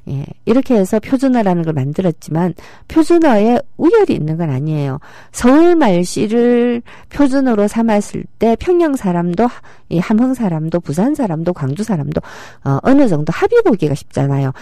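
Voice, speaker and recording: Middle-aged woman, lecturer, animated pitch, mellow tone, dry close sound, rhetorical questions. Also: no room sound. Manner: explanatory, rhetorical questions, acts out quoted speech. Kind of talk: public lecture.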